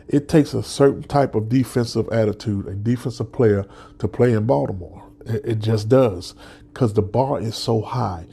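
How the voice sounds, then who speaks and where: A man's voice: mid-range voice, creaky, warm tone, husky. A man hosting a solo sports podcast, stuffed up from a cold, talking as a passionate fan with many restarts and "okay?" tags. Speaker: podcast host.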